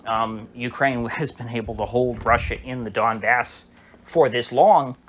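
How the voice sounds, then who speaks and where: Faint music sits behind a man with a mid-range, fairly bright voice who speaks a little slowly. He's a political commentator talking on his own, rambling, hesitant and full of fillers and restarts, captured in dull lo-fi audio with a faint hiss.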